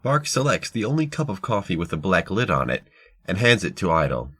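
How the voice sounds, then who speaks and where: A man's voice: sits low, big pitch swings, a little fast, a bit bright. A man reading scripted narration for an audio drama.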